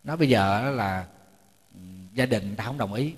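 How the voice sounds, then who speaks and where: Monk preaching in a hall. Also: male voice, mid-range voice, fairly quick, slightly rough. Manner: chatty storytelling, repeats words while searching; jokes with the audience. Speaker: Buddhist monk giving a dharma talk. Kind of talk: storytelling sermon. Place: temple lecture hall. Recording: reverberant hall.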